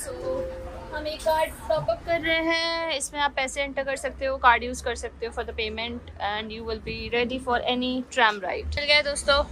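A woman's voice: high-pitched, steady tone, unhurried, bright, forceful tone, soft background music, rough recording. A young woman talking on location for a travel vlog, chatty and upbeat, mixing in English phrases. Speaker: travel vlogger.

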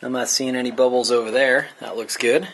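A young man narrating a hands-on plumbing demonstration, explaining each step in a relaxed, casual way with fillers. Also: mid-range voice, brisk. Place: indoors in a tire-walled building under construction.

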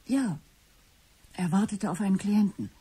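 A polite young secretary in a radio drama. Her voice is mellow, medium in pitch and very breathy. She stays subdued and reserved. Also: unhurried. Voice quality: breathy, soft. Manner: reserved, brief polite answers. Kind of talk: German radio play acting.

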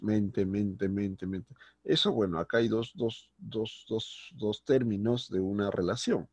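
Low-voiced male teacher explaining grammar. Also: gravelly, a little mellow, husky, no echo. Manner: explanatory, checks in often with quick tag questions. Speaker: secondary school language teacher. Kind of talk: recorded grammar lesson.

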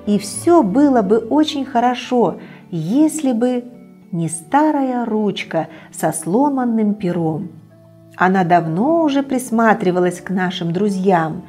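A middle-aged woman hosting a children's TV show, reading a bedtime story aloud in a gentle, expressive way in a studio. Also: a little high, husky. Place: indoor TV studio set, children's room.

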